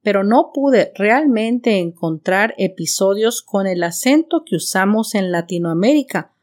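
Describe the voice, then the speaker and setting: A woman from Mexico City with a Mexican Spanish accent, hosting a podcast for learners and speaking slowly and clearly to the listener. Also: mid-range voice, animated, a little mellow. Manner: slow, clear, friendly delivery addressing the listener directly. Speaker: podcast host and bilingual teacher. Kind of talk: scripted podcast monologue for learners.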